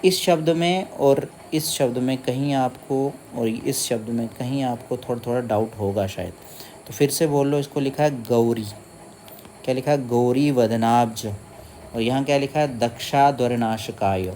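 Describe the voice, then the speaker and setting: A man teaches a Sanskrit stotram. He splits the words syllable by syllable and then chants them slowly and melodically. He asks his own questions and answers them himself. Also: mid-range voice, a little mellow, a little hiss or hum.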